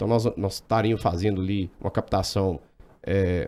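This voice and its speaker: The speaker is a man. His pitch sits fairly low. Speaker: mayoral candidate. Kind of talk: political interview. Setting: TV studio. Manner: halting, many repetitions.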